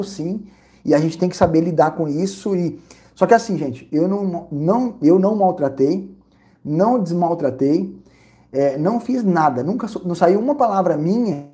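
A Brazilian man vlogging casually, telling an animated, repetitive story with lots of exclamations. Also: high voice. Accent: Brazilian Portuguese. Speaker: vlogger reviewing credit card perks and hotels.

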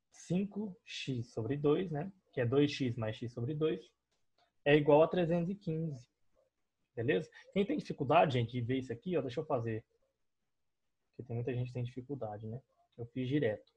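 Husky Brazilian man teaching math. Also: mid-range voice, fairly quick, pauses often, darkish tone. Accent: Brazilian Portuguese. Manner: patient step-by-step explaining, checks in with students often. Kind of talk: online math class explaining on a digital board. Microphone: voice-over on screen recording.

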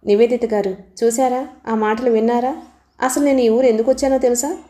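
A woman's voice: fairly high pitch, fairly even intonation, brisk, mellow, close to an everyday voice. A woman reading the part of an angry, sarcastic husband who feels wronged, in a roomy-sounding recording. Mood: indignant. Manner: sarcastic and indignant.

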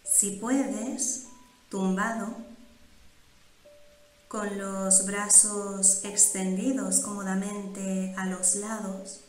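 Slow, even-toned woman guiding meditation. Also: mid-range voice, faint music behind. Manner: measured, calm instructions with long phrasing pauses. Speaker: guided meditation instructor. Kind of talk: slow, soothing guided meditation. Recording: roomy, echoing sound.

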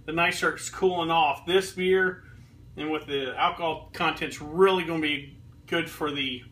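In his kitchen, a thirtysomething beer reviewer and home brewer talks through a tasting for a casual vlog, his voice fairly high, bright, steady and unhurried. He rambles, often saying um and restarting. Recorded by a fixed camera a few feet off, he sounds slightly distant.

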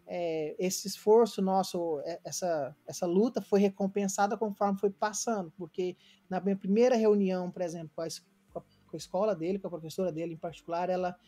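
A man's voice: high voice, steady tone, fairly quick, mellow. A Brazilian man in his late thirties from Goiânia, an interview guest telling his story earnestly and reflectively, with many fillers and restarts. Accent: Brazilian Portuguese. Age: late 30s. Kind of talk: casual remote interview, storytelling.

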